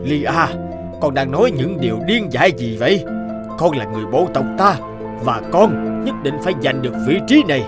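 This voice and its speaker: Stern, animated tribal chief played by a man. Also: medium pitch, moderate pace, close to an everyday voice. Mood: stern reproach. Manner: authoritative, scolding. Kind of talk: animated fairy-tale acting. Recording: music behind the voice.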